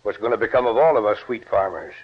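A man's voice: fairly low pitch, quick pace, breathy edge. A weary farmer father. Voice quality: rural grammar, plain country speech. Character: weary middle-aged wheat farmer and father, gruff. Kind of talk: 1940s radio acting. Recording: muffled old radio recording.

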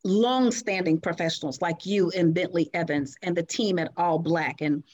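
A woman's voice: on the low side, normal speed, a little mellow, dull audio. Effusive woman producer guest. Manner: effusive, gushing, many fillers. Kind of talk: casual interview chat.

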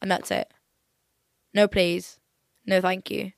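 A young woman with a softened Northern Irish accent, chatting casually in a rambling, exaggerating way as a podcast host. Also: mid-range voice, level tone, slow pace, gravelly, no room sound, studio quality. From Northern Ireland. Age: young adult.

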